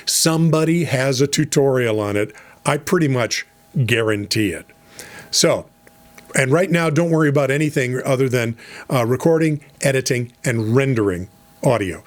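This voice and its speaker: Middle-aged male coach, conversational and direct, mid-pitched, easygoing delivery with frequent ums. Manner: conversational, frequent fillers and restarts; encouraging, direct advice. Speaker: voice over coach. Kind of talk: casual instructional talk.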